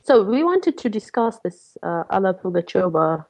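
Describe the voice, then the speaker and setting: A woman's voice: medium pitch, big pitch swings, normal speed, over loud music. A woman in a casual group conversation, teasing and argumentative, laughing often as she makes her points. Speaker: participant in a group chat. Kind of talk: casual chat.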